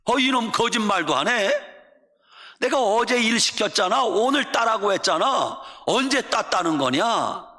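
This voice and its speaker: A man voicing a stern old farmer father who scolds his daughter loudly. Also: high-pitched, animated, unhurried, pitched above the performer's own voice, heavily acted. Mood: scolding. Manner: loud and scolding. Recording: echoey church hall.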